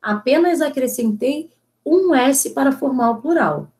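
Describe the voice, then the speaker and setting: A woman teacher giving a video lesson, explaining step by step in a slow, patient way and often checking that her students follow. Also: high voice, animated, darkish tone.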